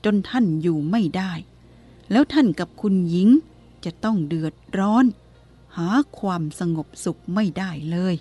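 Blunt calm old monk, woman reading him, firm and straight, mellow tone. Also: mid-range voice, soft background music. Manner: plain-spoken, firm, unhurried. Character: calm blunt elderly male abbot.

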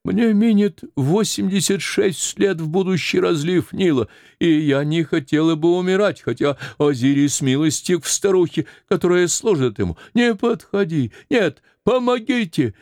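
A man reading an audiobook voices a grieving 86-year-old nurse who laments and scolds in a high, quavering voice. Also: animated, takes it slowly, a little mellow, dry recording, studio quality. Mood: terrified. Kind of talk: audiobook character voice.

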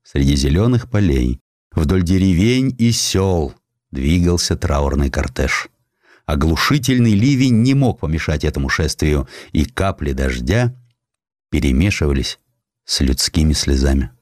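Deep-voiced male narrator, expressive delivery. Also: unhurried, dry recording, studio quality. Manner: expressive storytelling, voicing quotations. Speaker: audiobook narrator. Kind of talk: dramatized scripted narration of a historical sketch.

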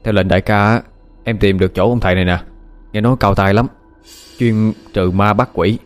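A man's voice: fairly low pitch, steady tone, brisk, soft background music, close to an everyday voice. A man voicing an eager, deferential young henchman.

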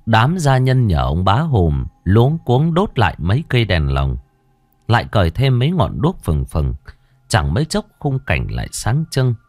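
Brief: deep, expressive male horror storyteller, suspenseful and measured. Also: no echo. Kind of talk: ghost story narration.

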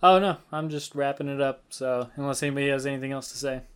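A young man hosts a casual gaming podcast, rambling loosely with fillers and the occasional swear. His voice is clean and resonant. His pitch sits in the middle of the range. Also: fast talker, smooth. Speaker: podcast host.

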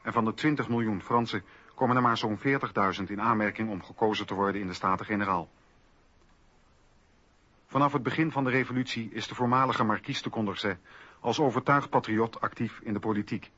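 Bright, low-voiced male radio narrator. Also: brisk, slightly rough, highs cut off. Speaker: documentary narrator. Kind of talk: scripted narration.

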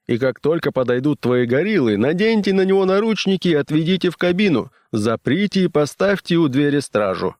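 A man's voice: a little high, big pitch swings, fairly quick, few pauses, darkish tone, no room sound, clean studio sound, pitched above the performer's own voice. A male audiobook reader voicing a rich, scheming male ship owner who mocks and gives orders. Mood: commanding. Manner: mocking, commanding.

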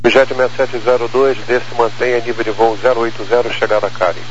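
Brazilian male controller, mid-pitched, procedural radio instructions, lo-fi transmission. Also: little pitch movement, fast talker. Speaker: air traffic controller. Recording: muffled aviation radio, faint noise.

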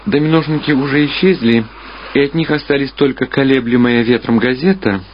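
A man's voice: medium pitch, steady tone, fairly quick, slight background noise. A man reading scripted literary narration as the narrator of an audio drama. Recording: dull lo-fi sound under loud music. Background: loud music.

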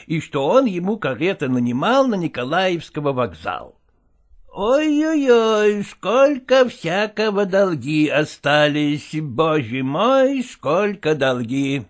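A man's voice: fairly high pitch, big pitch swings, pitched above the performer's own voice. Man doing a fussy theatre partner with a Yiddish-flavoured accent. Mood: lamenting. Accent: Yiddish-flavoured Russian. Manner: drawn-out, wheedling, broken grammar. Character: fussy male theatre partner, evasive and secretive. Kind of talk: audiobook character voice.

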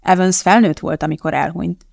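Castingnote: a reader playing a sly older bishop, smooth and sarcastic, gravelly audiobook voice. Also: male voice, high-pitched, fairly even intonation, no room sound, studio quality. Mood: persuasive.

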